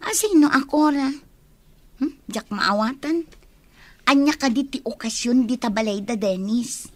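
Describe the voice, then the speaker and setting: An actress voicing a nosy, excitable woman who bursts into loud, shrill questions in a radio drama. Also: a little slow, no echo. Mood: curious, prying. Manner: loud, shrill, startled outbursts.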